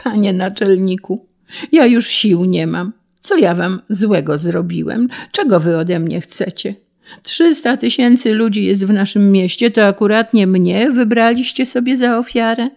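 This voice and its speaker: A harried middle-aged man bursts out in exasperated pleas, as a woman puts him on. The voice is raised and higher than her narration, with a gravelly edge. This is a storybook reading. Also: unhurried, darkish tone. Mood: pleading. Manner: pleading, exasperated outbursts. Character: harried middle-aged man fighting a dog tax, indignant.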